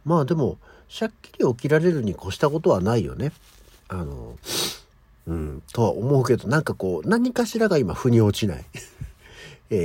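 Lively, husky-voiced middle-aged man hosting solo. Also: no echo. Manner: high-energy, animated, chatty storytelling. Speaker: podcast host. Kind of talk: casual solo morning talk.

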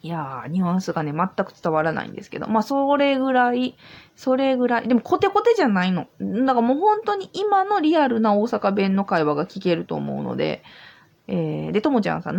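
Tipsy Kansai woman with a gravelly voice. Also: medium pitch, very animated, brisk, darkish tone, muffled recording. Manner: chatty, rambling, easygoing. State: tipsy from drinking. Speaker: podcast host. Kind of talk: casual solo podcast chat. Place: old house.

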